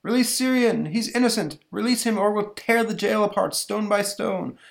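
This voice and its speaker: A man voicing an excitable, riled-up member of a mob in a comic-book story, exclaiming in a strained voice. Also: high-pitched, a little fast, pitched above the performer's own voice. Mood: angry. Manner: shouting, exclaiming.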